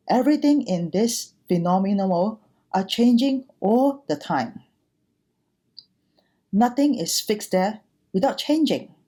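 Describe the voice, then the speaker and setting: Slow, mellow woman giving a dharma talk. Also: medium pitch. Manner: measured, deliberate phrasing. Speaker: Buddhist nun and temple director giving a dharma talk. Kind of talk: prepared dharma talk addressed to viewers.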